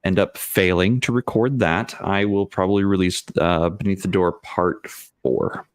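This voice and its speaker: A man with a fairly low voice in a very dry recording. He speaks in a casual, hesitant way, feeling for his words as a content creator on a panel. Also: fairly even intonation, clean tone, dry recording. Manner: halting, hesitant. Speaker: game master and content creator. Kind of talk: casual chat.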